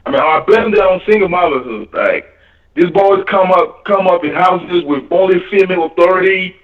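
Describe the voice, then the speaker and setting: A man's voice: high-pitched, normal speed. A male caller from Colorado, lecturing on his views and repeating his points. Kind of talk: call-in opinion. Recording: distant echoey muffled phone call.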